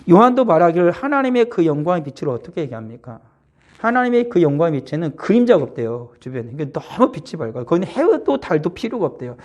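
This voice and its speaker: A man's voice: sits high, a little mellow. A male pastor giving a midweek sermon in a conversational way, acting out scripture quotes as everyday speech. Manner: conversational preaching, acting out Jesus's words in plain speech.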